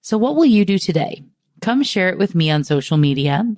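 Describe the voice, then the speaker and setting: Low-voiced upbeat woman podcast host. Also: sing-song, a little fast, darkish tone, dry recording, clean studio sound. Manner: upbeat, encouraging. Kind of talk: podcast hosting and scripted wrap-up.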